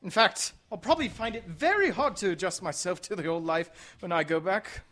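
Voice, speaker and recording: Man playing a high-pitched, suave gentleman rogue. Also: expressive, fairly quick. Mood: nonchalant, evasive. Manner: suave, chuckling, theatrical. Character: debonair, sly English gentleman exile, Foreign Legion deserter. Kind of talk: radio mystery drama acting.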